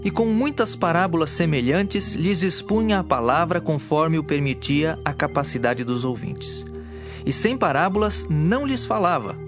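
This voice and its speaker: Higher-voiced male Bible narrator. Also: expressive. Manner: measured, formal. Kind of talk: scripted narration of dramatized Bible. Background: music.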